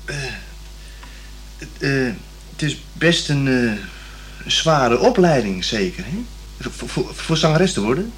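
A young working-class man with a mid-pitched, very lively delivery. He is awkward and colloquial, stubborn yet good-natured, in radio drama. Faint hum sits behind him. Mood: awkward, eager. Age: young adult. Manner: halting, colloquial, repeating himself. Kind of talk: naturalistic radio play dialogue.

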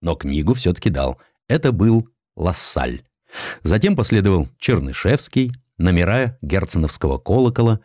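A man with a low voice narrates historical prose in a scripted, dramatized style. His pitch moves in wide, animated arcs as he tells the story expressively. The sound is dry, with no room around it. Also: normal speed, dry recording. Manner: expressive storytelling, acting out quoted lines. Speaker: audiobook narrator.

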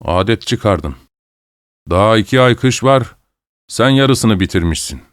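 Violent peasant husband, harsh and insulting, read by a male narrator, smooth voice, dry sound. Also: lowish voice, lively intonation, a little slow, dry recording. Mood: gruff. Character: brutal peasant husband, grown man, violent temper. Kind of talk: audiobook reading.

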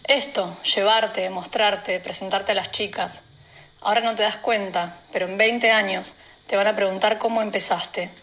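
A woman's voice: mid-range voice, steady tone, normal speed, fairly bright tone, close to an everyday voice. A woman voicing a brash, fatalistic trans sex worker of twenty-seven in an audiobook-style story. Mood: blunt, fatalistic. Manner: blunt, fatalistic.

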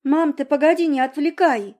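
A woman's voice: high-pitched, fairly even intonation, unhurried, darkish tone, pitched above the performer's own voice. A woman voicing a brash, defiant sick young girl who talks bluntly and cheekily.

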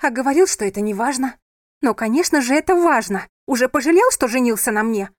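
A woman's voice: expressive, brisk, dry recording, clean studio sound. A woman reading aloud and voicing a defiant, tearful young wife who raises her voice and argues back. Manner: shrill, raised, pleading.

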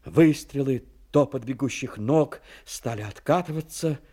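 A man reading dramatic literary narration of a war story in a measured, expressive way. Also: medium pitch, husky.

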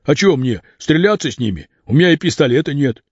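A lazy, money-minded driver grumbles and drawls, as a man reads him aloud. The voice is husky and a little higher than plain talk. The recording is dull and dry. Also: very animated, fairly quick, no echo, exaggerated voice. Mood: grumbling.

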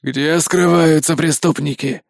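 Cowardly hyena master, voiced by a male narrator: hissing, bossy, drawn-out threats, dry. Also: on the high side, steady tone, vocal fry, no echo. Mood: suspicious.

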